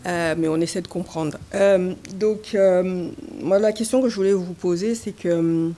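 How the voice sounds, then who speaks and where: A woman's voice: lowish voice, fairly even intonation, a little slow, dark tone. A woman journalist, a Swahili speaker, putting a question at a press conference and often searching for her words.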